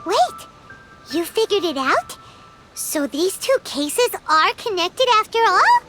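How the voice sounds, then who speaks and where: Squeaky excitable little companion creature. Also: female voice, takes it slowly, exaggerated voice. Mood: eager. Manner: squeaky, exclaiming. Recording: game audio with loud music.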